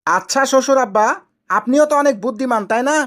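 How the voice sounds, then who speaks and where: A man's voice: extremely high pitch, fast talker, a bit bright. Cheeky young son-in-law played by a man, Rajshahi Bengali accent, cocky and argumentative, for village cartoon comedy. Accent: Rajshahi Bangladeshi Bengali. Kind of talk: amateur cartoon comedy dialogue.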